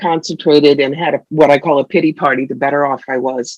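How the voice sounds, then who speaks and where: A woman's very deep, low pitch comes through in a dry, close sound with no echo. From New Jersey. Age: 60s. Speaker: intuitive life coach and author. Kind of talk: interview.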